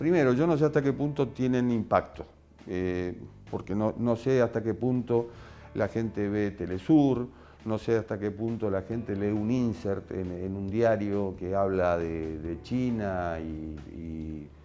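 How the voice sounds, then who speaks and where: Very slow, lively-toned man with a fairly low pitch and an Argentine accent, music in the background. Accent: Argentine Spanish (Rioplatense). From Argentina. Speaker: journalist, international affairs analyst. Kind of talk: interview answer.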